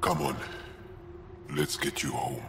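An actor playing a resolute alien warrior in a video game, firm, grave and deliberate. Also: male voice, a bass voice, very animated, vocal fry, background noise, exaggerated voice. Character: resolute male alien warrior pleading with a brother-in-arms. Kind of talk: dramatic video game acting. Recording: long hall reverb under loud music.

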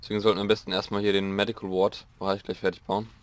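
A young man with a slightly hoarse voice, rambling casually through gameplay commentary and mocking himself as he goes. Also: on the low side, little pitch movement, rapid-fire. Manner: rambling, self-mocking, thinking aloud. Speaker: let's play host.

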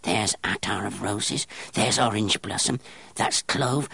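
A man voicing a strange young outcast who speaks in a quiet, pinched, rasping snarl. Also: lowish voice, takes it slowly, no echo, pitched above the performer's own voice, full character voice. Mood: hushed eager.

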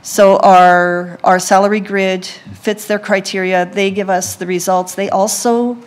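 A woman, a library system executive, answering council questions in a clear, businesslike way from a council chamber desk mic. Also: medium pitch, fairly even intonation, a little slow. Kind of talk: formal presentation answers.

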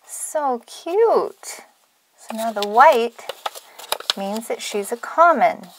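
Animated high-voiced woman hosting toy unboxing. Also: very slow, a little hiss or hum, poor audio. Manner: gushing, exclamatory, sing-song. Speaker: toy unboxing video host. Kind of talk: playful toy unboxing narration for children.

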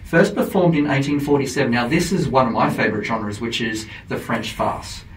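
A man's voice: medium pitch, fairly quick. An Australian man walks through a list of plays with eager, filler-laden explanations. His voice sits mid-range and sounds distant, with the echo of a small studio and faint background hiss. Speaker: theatre company guest promoting plays. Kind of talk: radio studio interview. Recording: roomy, distant camera audio.

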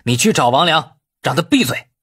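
A man voicing a quick-tempered, proud male heir in an audiobook drama, speaking emphatically and indignantly. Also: a little high, animated, a bit bright, slightly rough, voice pushed up. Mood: angry.

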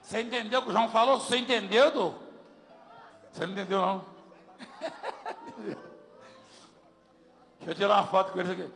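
A man's voice: high voice, fairly even intonation, vocal fry, fairly bright tone. A man leading a church service, joking and questioning people at the front in a folksy, teasing way. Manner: teasing, folksy, fast back-and-forth. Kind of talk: joking church testimony interview. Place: large church hall. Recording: long hall reverb with music.

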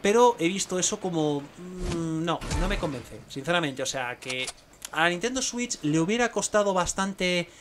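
A young man with a Spain Spanish accent, commentating his own gameplay live, excitable and talking to himself with sudden exclamations. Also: high voice, normal speed, slight background noise. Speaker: gaming streamer.

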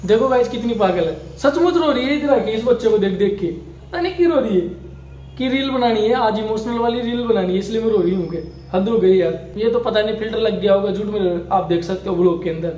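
A man's voice: sits high, a little fast, a little mellow, a little hiss or hum. A young man vlogging casually at home, teasing his wife and talking to viewers. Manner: teasing, talkative, addresses viewers as guys. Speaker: vlogger, husband. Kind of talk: casual vlog talk to camera.

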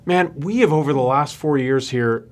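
Male sports show host, forties, relaxed studio panel voice. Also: medium pitch, normal speed. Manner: conversational, leading questions. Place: studio with panel seated on stools.

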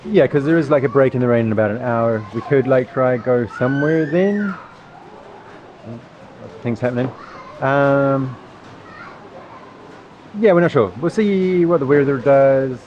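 A rambling, easygoing man in his thirties talks to a handheld camera held at arm's length. The sound is a little muffled and dull. Loud rain and traffic noise fill the background. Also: mid-range voice, unhurried, long pauses. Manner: rambling, chatty, filler-heavy. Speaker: travel vlogger. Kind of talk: casual vlog narration to camera. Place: on a bus, then an open-air roadside eatery in rain.

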